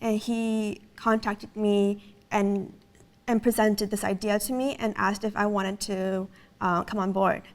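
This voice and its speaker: A woman's voice: mid-range voice, little pitch movement, unhurried. A woman in her twenties, raised in Canada, earnestly explaining her business in a casual interview, with frequent fillers. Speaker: startup co-founder, guest.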